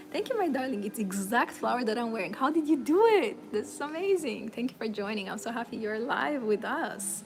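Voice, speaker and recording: Chatty woman live-streaming over steady noise. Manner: chatty and encouraging, frequent fillers and restarts, sudden bursts of higher pitch. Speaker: femininity coach hosting a live stream. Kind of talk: live-stream talk answering viewers' comments.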